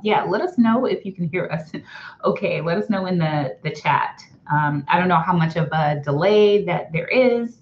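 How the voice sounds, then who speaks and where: Young woman chatting on a livestream, upbeat, roomy dull sound. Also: medium pitch. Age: young adult. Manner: chatty, upbeat, greets viewers by name. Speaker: vlog co-host. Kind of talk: casual live-stream chat. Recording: roomy, slightly dull live-stream audio.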